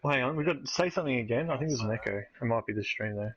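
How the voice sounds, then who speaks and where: A man co-hosting a live stream, relaxed and quick to laugh. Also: mid-range voice, muffled recording, crowd noise. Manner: relaxed, laughs easily, swears. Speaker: stream co-host. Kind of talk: casual live stream banter.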